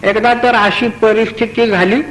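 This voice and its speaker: A man preaching a devotional sermon, telling a story in an animated way and chanting refrains. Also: high voice, normal speed, slight background noise, low-quality recording. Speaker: kirtan preacher.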